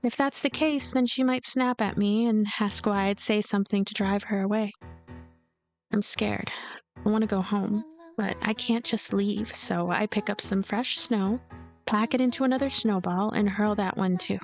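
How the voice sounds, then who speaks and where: A woman's voice: medium pitch, fairly even intonation, normal speed, soft background music, natural voice. A woman voicing a lonely, anxious young ghost girl who narrates a story game in a hesitant, introspective way.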